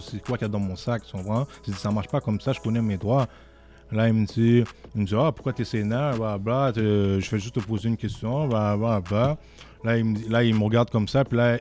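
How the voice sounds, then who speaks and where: A young man with a Québécois French accent, casually telling a story as a podcast guest and often asking "tu comprends?". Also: on the low side. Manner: animated, repeats "tu comprends?" often.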